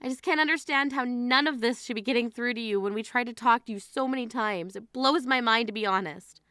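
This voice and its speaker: A woman's voice: a little high, a little fast, bright, forceful tone, smooth, no room sound, clean studio sound. A woman playing an indignant older sister at their mother's funeral, scolding her sibling. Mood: exasperated. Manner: exasperated, scolding. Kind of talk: scripted audio drama.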